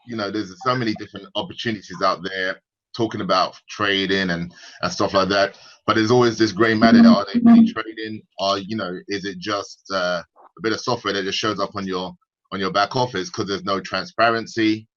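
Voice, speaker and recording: A man's voice: on the low side, a little fast, dull audio. A man with a British accent, a guest telling his story casually on a video call, often restarting his sentences. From United Kingdom. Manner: relaxed, conversational with frequent restarts.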